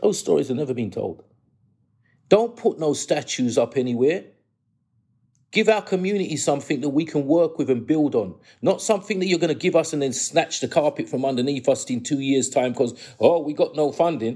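A man at a fairly quick pace, fairly high in pitch, with a dark, mellow tone and lively intonation, on a very clean recording with a silent background. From south-east London, England. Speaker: fire survivor and DJ. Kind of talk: testimony.

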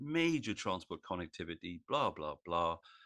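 A man with a Welsh accent talks at a moderate pace. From Wales. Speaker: podcast host, urban policy practice lead. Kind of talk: interview conversation. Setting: remote call. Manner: hesitant, many fillers.

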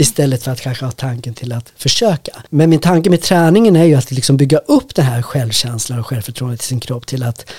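A man speaks in a somewhat breathy voice with a dark, mellow tone. The sound is dry and close, with no echo. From Colombia, raised in Sweden from age six. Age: 40s. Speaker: fitness instructor and therapist. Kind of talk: interview.

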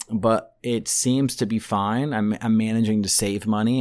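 Fairly even intonation marks a normal speaking voice with an American accent, captured in a very clean recording with a silent background. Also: man. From New Jersey. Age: 30s. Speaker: rapper. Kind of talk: casual chat. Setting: studio.

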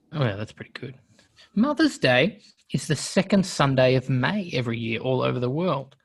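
A man's somewhat breathy voice at medium pitch, moderate pace and lively intonation. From Ireland. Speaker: podcast co-host. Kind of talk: casual chat.

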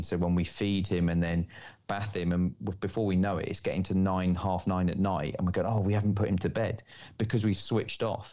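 Against a quiet background, a man with a very deep, low pitch talks in monotone, flat intonation. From northern England, Cumbria. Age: 40s. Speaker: Olympic distance runner. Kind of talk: casual interview.

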